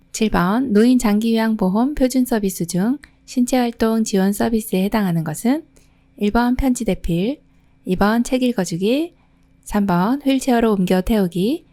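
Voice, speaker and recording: A middle-aged woman teaching an exam prep lesson, her voice mellow and warm in tone. She reads each question and its options out at a measured pace, then explains the answer in a friendly, teacherly manner, with her pitch sitting in a middle range.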